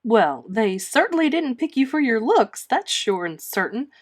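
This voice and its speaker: A woman's voice: fairly high pitch, big pitch swings, unhurried, voice pushed up. A woman voicing a blunt, disapproving older busybody neighbour in a storybook, emphatic and bossy. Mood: blunt, critical.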